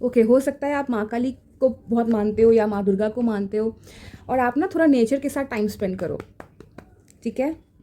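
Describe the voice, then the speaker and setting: A woman giving a casual tarot reading in a gentle, reassuring way, slipping into English phrases. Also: a little high, normal speed. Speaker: tarot reader. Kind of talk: casual spiritual guidance. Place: home room.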